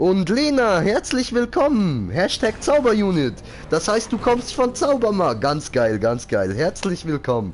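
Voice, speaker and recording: A man with a strong Swiss German accent speaks fairly slowly in a high voice, his pitch swinging very widely while his loudness stays very even. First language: Swiss German (speaking German). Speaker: gaming streamer. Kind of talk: live stream chat. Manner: animated.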